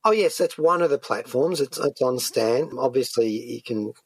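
Male radio host for conversational reviews: enthusiastic, discursive, rough-edged husky voice, very dry studio sound. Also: medium pitch, animated, normal speed, dry recording.

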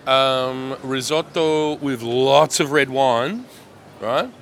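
A man's voice: medium pitch, takes it slowly, a bit bright. A man hosting a casual radio chat, enthusiastic and teasing as he talks about food. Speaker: radio host.

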